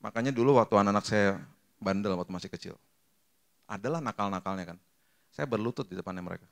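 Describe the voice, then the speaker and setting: A middle-aged man preaching a sermon as pastor, lively and acting out quoted voices, with English phrases mixed in. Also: on the low side, quick pace, gravelly.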